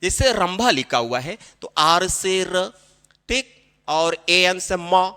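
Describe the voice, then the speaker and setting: A man teaching a spelling lesson to young children, explaining slowly and repeating himself. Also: sits high, pushed and bright, clear, resonant tone, big-room sound. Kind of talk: classroom-style spelling lesson.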